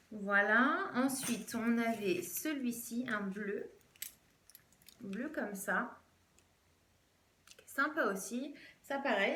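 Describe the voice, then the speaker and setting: A woman's voice: mid-range voice, a bit bright, roomy sound. A woman vlogger chatting casually through a jewelry haul, hesitant and full of fillers. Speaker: fashion vlogger.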